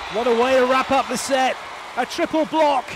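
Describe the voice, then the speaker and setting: Over noticeable background noise, a man with a British accent speaks at an extremely high pitch. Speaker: volleyball commentator. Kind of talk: live sports commentary. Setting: commentary booth. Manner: excitable.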